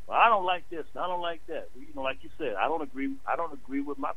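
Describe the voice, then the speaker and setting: A man at a very fast pace, with noticeable background noise and audible room echo. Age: 60s. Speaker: community organizer and newspaper editor. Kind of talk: radio interview.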